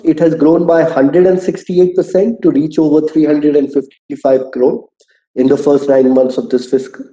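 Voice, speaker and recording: A man with an Indian accent giving a prepared earnings call presentation as a company executive, measured and articulate, with deliberate emphasis. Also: on the high side, mellow. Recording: muffled, echoey conference call audio.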